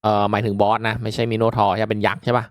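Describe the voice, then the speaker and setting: A man giving casual, reactive commentary as he hosts a mobile game playthrough, chatting politely to viewers with excitable exclamations. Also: lowish voice, racing, no echo, clean studio sound. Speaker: gaming video host.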